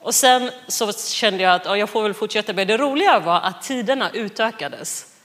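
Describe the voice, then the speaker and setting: A woman's voice: mid-range voice, lively intonation, fairly bright tone. A woman in her thirties preaching as a guest speaker, telling a funny personal story, laughing often and acting out the dialogue. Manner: chatty, self-mocking, laughs often; acts out quoted dialogue. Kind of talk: sermon with personal anecdote.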